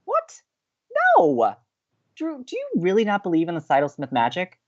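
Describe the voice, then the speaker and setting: An actor playing a romantic, excitable young man who co-hosts college radio in an audio drama, earnest and expressive. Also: high-pitched, moderate pace, highs cut off. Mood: excited, playful. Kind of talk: naturalistic audio drama acting.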